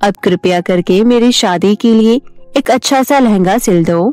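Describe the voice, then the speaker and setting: A woman voicing a gentle young fairy bride who asks politely for help, in an animated storybook. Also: mid-range voice, a little slow, no room sound, faint music behind, lightly acted. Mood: pleading. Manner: soft, polite and pleading. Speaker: voice-over artist.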